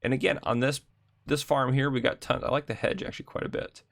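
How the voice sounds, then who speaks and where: A man hosting a casual video game map tour, chatty and thinking aloud, his voice gravelly from just waking up. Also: mid-range voice, steady tone, fairly bright tone, no echo, clean studio sound. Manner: chatty, thinks aloud with ums and quick asides. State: gravelly morning voice. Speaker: gaming channel host.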